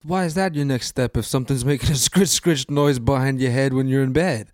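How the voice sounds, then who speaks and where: A man co-hosting a comedy podcast, reacting with quick, incredulous jokes. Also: mid-range voice, dry recording, studio quality. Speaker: podcast co-host. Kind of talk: comedic banter.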